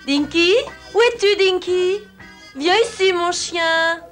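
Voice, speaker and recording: High-voiced, sweet young cartoon heroine. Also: female voice, slow pace, faint music behind, full character voice. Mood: cheerful, puzzled. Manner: gentle, coaxing, expressive. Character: sweet, kindly young cartoon heroine doting on her dog. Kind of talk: French cartoon dubbing.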